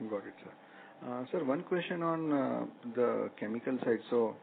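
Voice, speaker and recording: Analyst caller, male, creaky mid-range voice. Polite, halting, heard over a telephone line. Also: mid-range voice, lively intonation. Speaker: analyst asking questions. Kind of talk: earnings call questions. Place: conference call by phone. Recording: narrow phone line with faint hum.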